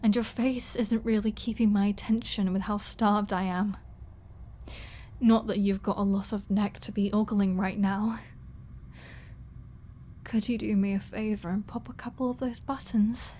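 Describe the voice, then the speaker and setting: Woman acting as a slow-talking flirty starving vampire woman. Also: mid-range voice, flat delivery, dark tone, close to an everyday voice. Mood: teasing, flirty. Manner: breathy asides, halting, teasing and pleading. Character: flirty, starving female vampire, captive, teasing yet desperate. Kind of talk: ASMR roleplay audio drama.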